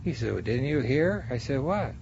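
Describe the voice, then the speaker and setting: Animated older American man, dull recording. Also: mid-range voice, normal speed, vocal fry. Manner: animated storyteller, acts out remembered dialogue. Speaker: war veteran, former bomber crew member. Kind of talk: casual spoken reminiscence. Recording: dull lo-fi interview recording, faint noise.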